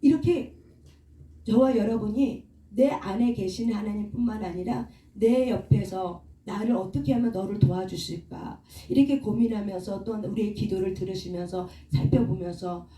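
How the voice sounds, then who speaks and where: Woman, sermon, leads call-and-response, dark voice, echoey room. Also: mid-range voice, normal speed. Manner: asks the congregation questions, leads call-and-response. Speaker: prayer meeting leader. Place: church prayer room. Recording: echoey room, far from the mic.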